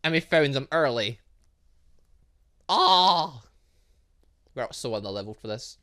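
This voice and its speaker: A man's voice: mid-range voice, expressive, slow, bright, forceful tone. A man hosting a game playthrough, reading dialogue aloud and commenting in a theatrical, exclamatory way. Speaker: gaming video host.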